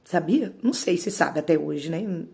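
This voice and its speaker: Speaking at a normal speed in a deep, creaky voice, this woman, a missionary singer, delivers a tearful testimony to her church congregation. Her hushed, shaky narration gives way to loud, begging outbursts, and she keeps repeating phrases and tacking on tag questions.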